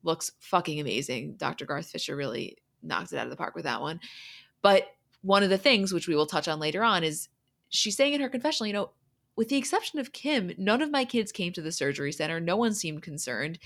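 Her voice sits fairly low, with a creaky, slightly bright quality, and she's animated and a little fast. As a podcast host, she casually goes scene by scene, retelling the quoted lines and who said them.

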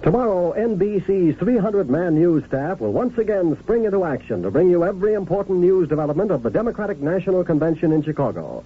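A thin, tinny old radio recording carries an American male announcer. He is husky and fairly high, reading promotional copy with formal emphasis and very lively intonation. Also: quick pace, few pauses. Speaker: network announcer.

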